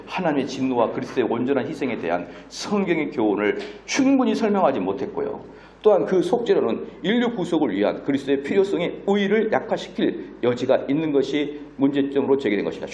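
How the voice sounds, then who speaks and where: Middle-aged male pastor, lecture-style sermon, lively pitch, scolding delivery, roomy hall sound. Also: lo-fi sound. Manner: animated and scolding, acts out quoted people; humorous asides with laughter.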